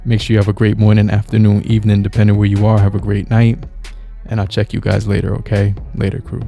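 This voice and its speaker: Gravelly, dark-voiced man reviewing gear. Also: on the low side, soft background music. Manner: relaxed, halting with fillers. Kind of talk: casual product review. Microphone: podcast mixer with microphone.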